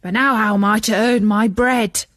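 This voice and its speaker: A woman voicing a weary old runaway hunting dog in a children's story, slow and sorrowful. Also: on the high side, steady tone, fairly bright tone, dry recording, studio quality.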